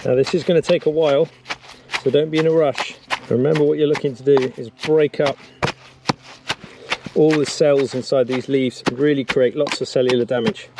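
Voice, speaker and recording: A man's voice: medium pitch, steady tone, normal speed, background noise. Chatty man teaching bushcraft outdoors. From England. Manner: upbeat, chatty, practical. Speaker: bushcraft instructor. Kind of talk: outdoor how-to demonstration. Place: woodland camp and wooden cabin.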